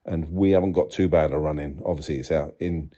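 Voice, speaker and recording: Very deep-voiced man, dull lo-fi recording. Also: brisk, dark tone. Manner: conversational, frequent "you know". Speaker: football fan giving match reaction by voicemail. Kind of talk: casual spoken match analysis.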